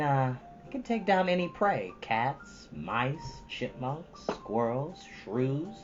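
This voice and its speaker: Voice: medium pitch, lo-fi sound. A storytime host speaking to children, moving between earnest, preachy casual asides and storybook reading, repeating points for emphasis.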